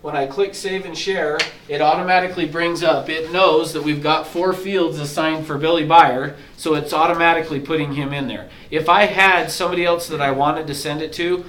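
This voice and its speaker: A man training real estate agents, walking them step by step through signing software in a casual, explanatory way, a bit hoarse and clearing his throat as he loses his voice. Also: a little high, steady tone, normal speed, hardly any pauses. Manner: explanatory, casual, self-deprecating. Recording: echoey room from far off, faint hiss.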